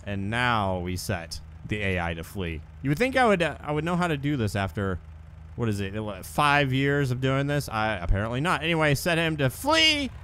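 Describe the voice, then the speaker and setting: A young man giving casual gameplay commentary, excitable and laughing, bursting into shouts at the action, with the hiccups. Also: medium pitch, normal speed, a little hiss or hum. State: has the hiccups. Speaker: gaming YouTuber.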